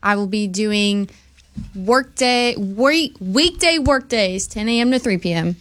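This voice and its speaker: A woman's voice: mid-range voice, lively intonation, slow pace, a bit bright, a little hiss or hum. Young woman, radio producer, easygoing giggly chat, studio mic. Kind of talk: casual studio banter.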